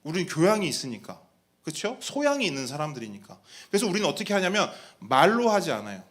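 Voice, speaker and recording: A man's voice: a little high, sing-song, fast talker, a bit bright. A man preaching a sermon as pastor, talking in a conversational way, putting questions to the congregation and acting out mocking voices.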